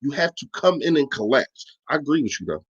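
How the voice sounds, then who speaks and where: A man's voice: medium pitch, sing-song, a little fast, slightly rough, dull audio. A man hosting a sports podcast, arguing his points emphatically in casual, slangy chat while answering his live audience.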